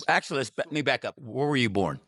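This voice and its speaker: A man's voice: medium pitch, lively intonation, fast talker, fairly bright tone, no echo, clean studio sound. A man hosting a podcast, asking questions in an encouraging, casual way. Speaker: podcast host. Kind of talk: casual interview.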